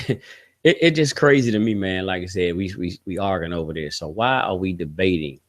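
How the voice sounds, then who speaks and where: A man hosting a podcast, ranting bluntly with heavy swearing, rhetorical questions and short chuckles. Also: on the low side. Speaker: podcast host. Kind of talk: opinionated solo podcast rant.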